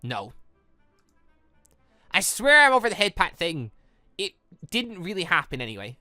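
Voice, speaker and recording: Animated, bright-voiced game commentator. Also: mid-range voice, a little slow, no echo, clean studio sound, soft background music. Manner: rambling, stumbles over words. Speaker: gaming channel host reading and reacting to a visual novel. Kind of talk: casual let's-play commentary with read-aloud dialogue.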